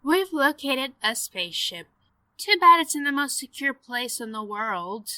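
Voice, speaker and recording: A practical, sceptical young woman played by a woman with a bright, fairly high voice that swings in pitch. She is the emphatic voice of reason in an audio drama. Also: animated, measured pace, no echo, heavily acted. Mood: incredulous.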